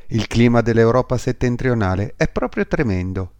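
A man's voice: mid-range voice, animated, moderate pace, a little mellow, smooth, no room sound, close to an everyday voice. Man doing a fussy little swallow. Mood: fretful. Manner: fussy, exclaiming. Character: small proud chatty female swallow.

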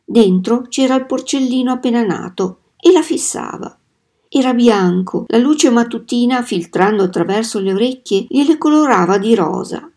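Woman reading a kids' novel out loud, warm mellow voice, measured and expressive. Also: fairly high pitch. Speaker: storybook reader. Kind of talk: reading a children's novel aloud.

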